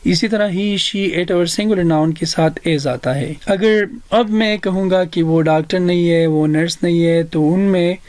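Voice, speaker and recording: Slow-talking South Asian man teaching, higher-pitched voice. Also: steady tone, a little mellow, no room sound. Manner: deliberate, explanatory, repeats phrases for learners. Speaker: English teacher. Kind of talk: bilingual language lesson.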